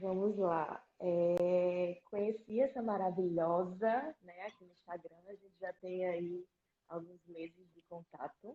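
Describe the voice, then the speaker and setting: A soft-spoken woman talks at a very slow pace. Her voice has a medium pitch and a dark, mellow tone. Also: ordinary pitch variation, big swings in loudness. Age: 30s. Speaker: guest. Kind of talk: interview. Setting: live video stream.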